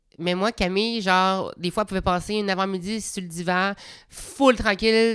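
Medium-pitched female speech in a Quebec accent, fairly even in intonation and moderate in pace. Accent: Québécois French. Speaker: reality TV contestant. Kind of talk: casual chat.

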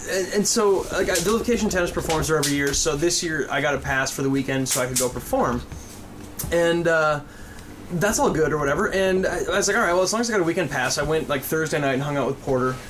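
Over noticeable background noise and audible room echo, a man with a fairly high pitch talks at a very fast pace with very even loudness. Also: ordinary pitch variation. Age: 30s. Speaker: podcast guest, father. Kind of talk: casual chat.

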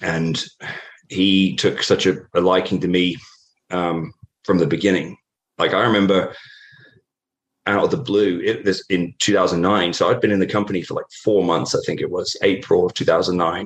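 A man with an English accent speaks at a moderate pace, leaving long, frequent pauses. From England, Norfolk (East Anglia). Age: 30s. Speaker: pro wrestler. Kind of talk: interview.

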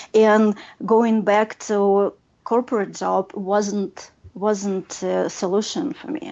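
A woman speaks very slowly with a Russian accent. Her pitch is medium, with ordinary pitch variation. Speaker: business coach. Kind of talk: interview. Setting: phone call.

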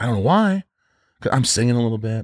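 With a New York accent, a man speaks in very wide pitch swings, and the very clean recording has a silent background and a dry, close sound with no echo. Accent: New York vibe. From Indiana (born in New York). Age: 40s. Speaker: actor. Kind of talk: casual chat.

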